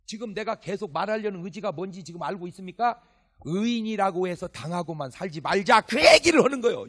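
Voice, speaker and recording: A fairly high-voiced man preaching at a church revival service. His voice is husky, and its pitch swings widely as he tells jokey stories and acts out bits of dialogue. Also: a little fast. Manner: animated, joking storytelling with acted dialogue. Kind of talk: sermon.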